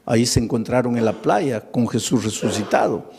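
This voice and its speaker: A man's voice: mid-range voice, normal speed, gravelly, a little mellow, slight background noise. A man preaching a sermon, telling a Bible story with acted-out dialogue and rhetorical questions to his listeners. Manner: dramatic storytelling, acting out biblical dialogue; asks the audience rhetorical questions.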